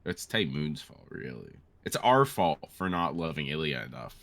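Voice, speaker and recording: A man's voice: very deep voice, sing-song, moderate pace, fairly bright tone, no echo. A man co-hosting a let's-play, chatting casually with a friend in a rambling, sweary way. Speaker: co-host of a let's-play show. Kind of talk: casual gaming banter between friends.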